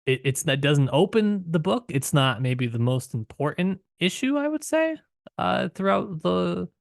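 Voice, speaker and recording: A man co-hosting a podcast, discussing a novel conversationally in a measured, explanatory way. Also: sits high, very animated, vocal fry, dry recording, studio quality. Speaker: podcast co-host.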